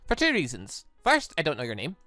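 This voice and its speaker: A cheerful young robot girl from a visual novel, as a narrator acts her out, bright and bouncy in pitch. She is polite, precise and formal, and stays matter-of-fact. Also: huge pitch swings, a little fast, no echo, faint music behind.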